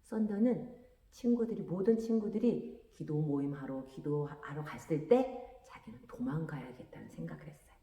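A woman preacher telling a story to children, acting out the characters' lines with lively expression. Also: deep voice, moderate pace. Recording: echoey room with long reverb.

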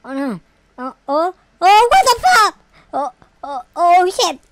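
A woman's voice: extremely high pitch, big pitch swings, slow pace, a little hiss or hum, full character voice. A woman voicing a boastful, clueless noob kid in a game role-play, who exclaims and panics about his mom. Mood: panicked.

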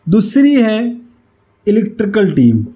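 Giving an explanatory whiteboard tutorial in a small indoor room, a man on a lapel mic walks through things step by step like an instructor. He's didactic and keeps checking for understanding. His voice sits high with a dark tone, huge pitch swings, and a slightly slow pace.

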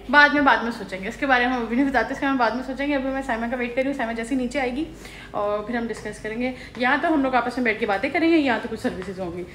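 A woman's voice: on the high side, fairly bright tone, low-quality recording. A young woman chatting casually to camera as a vlogger, first from a car, then in a salon. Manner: chatty, talks straight to camera. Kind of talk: casual vlog chat. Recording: car and street noise behind.

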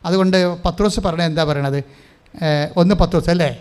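High, resonant-voiced preacher man. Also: fairly quick, darkish tone, clear, resonant tone. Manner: emphatic, has listeners repeat his phrases. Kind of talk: sermon with call-and-response prayer.

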